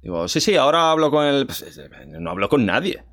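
A man's voice: medium pitch, a little fast. A young man from Spain, a podcast guest, telling stories in casual conversation and acting out quoted dialogue with laughs. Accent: Spain Spanish. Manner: animated storyteller, acts out quoted dialogue with laughs.

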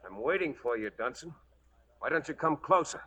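An actor playing a steady, stubborn, defiant young cowboy gunman in a 1940s Western radio drama. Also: fairly high pitch, normal speed. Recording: dull old radio broadcast with music.

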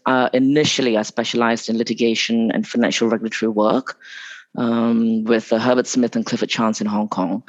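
A man from Malaysia, a guest lawyer in an interview, talking casually with many restarts and fillers. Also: medium pitch. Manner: hesitant, many restarts and fillers, laughs often. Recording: dull lo-fi remote audio.

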